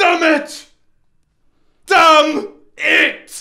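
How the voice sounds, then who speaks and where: A man uses a put-on character voice at an extremely high pitch. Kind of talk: sci-fi radio drama parody. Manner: commanding, melodramatic.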